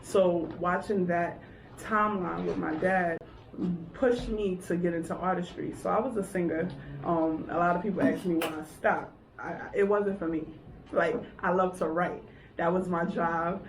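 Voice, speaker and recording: A woman's voice: on the low side, steady tone, normal speed. A woman from New York, a guest talking casually in an interview about managing and writing for artists. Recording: echoey room, mic far off, background noise.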